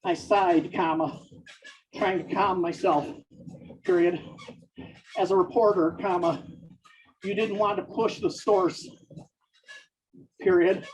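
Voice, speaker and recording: A writer dictating a story aloud in a slow, deliberate way, pausing between phrases and speaking every punctuation mark. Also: mid-range voice, steady tone, a little hiss or hum. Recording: dull, distant mic.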